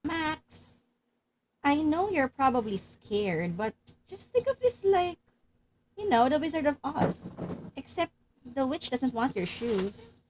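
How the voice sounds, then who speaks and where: A woman's voice: sits high, sing-song, slow pace, a little mellow, slight background noise, exaggerated voice, low-quality recording. A woman playing a blunt, wry teenage girl in a table read of a film script. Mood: gentle, wry.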